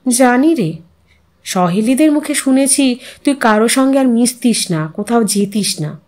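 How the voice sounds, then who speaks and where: A woman narrator plays an older widow in an audio story. Her voice is high, and she probes gently and sympathetically, like the curious old school friend she is. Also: expressive, a little slow. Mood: sympathetic. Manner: probing, sympathetic questioning.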